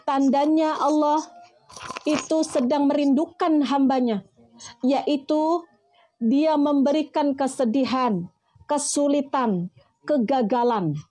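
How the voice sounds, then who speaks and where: A woman's voice: sits high, slow pace, pauses often, warm tone. A woman giving a motivational religious talk, calling listeners her friends and asking them rhetorical questions. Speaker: preacher.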